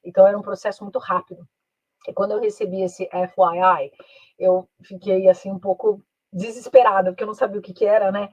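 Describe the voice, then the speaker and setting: A woman's voice: medium pitch, level tone, fast, a little mellow, dry recording, highs cut off. A woman with a Brazilian Portuguese accent, an English teacher giving an online master class in a chatty manner, often tagging her sentences with a question and slipping into English. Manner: chatty, peppers speech with "né?", switches into English.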